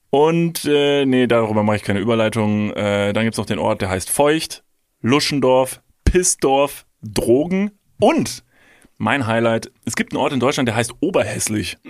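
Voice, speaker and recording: Young male podcast co-host, mid-pitched voice, joking banter, dry close mic. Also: expressive, a little slow, no room sound. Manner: jokey, lists things, laughs at own jokes. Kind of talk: casual comedic chat.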